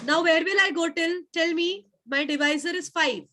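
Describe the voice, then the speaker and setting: Woman, South Asian accent, high-pitched, bright and sharp, online maths teacher, insistent repeated questioning. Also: moderate pace. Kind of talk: interactive online lesson, questioning pupils.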